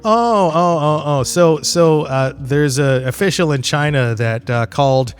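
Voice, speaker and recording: A middle-aged man hosting a podcast in a casual, rambling monologue, with an informal, animated way of talking. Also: a little high, unhurried, soft background music. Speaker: podcast host.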